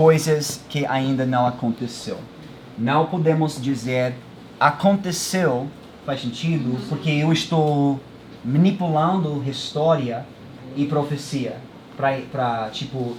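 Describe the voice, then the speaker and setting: A man with an English accent speaks at a very slow pace, with long, frequent pauses. His pitch is fairly high, and room echo is audible. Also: ordinary pitch variation. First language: English (speaking Portuguese). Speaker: pastor, prophecy teacher. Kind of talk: lecture. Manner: code-switching, halting.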